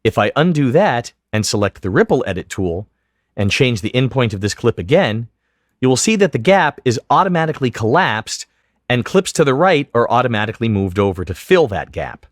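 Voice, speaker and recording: Lively-pitched man narrating a software tutorial. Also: a little fast, no room sound, studio quality. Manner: clear, methodical, step-by-step explanation. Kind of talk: scripted instructional narration over screen demo.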